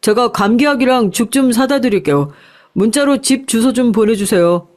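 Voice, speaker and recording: A woman's voice: fairly high pitch, normal speed, a little mellow, pitched above the performer's own voice, natural voice. A woman voicing a young male fitness trainer who is eager, polite and doting.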